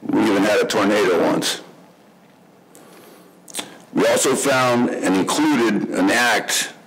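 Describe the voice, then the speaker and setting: A middle-aged man, president of a homeowners group, reading prepared public comments at a podium in a meeting room. He speaks earnestly and haltingly, with many fillers. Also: on the low side, fairly bright tone, poor audio. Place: indoor township meeting room. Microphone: podium microphone.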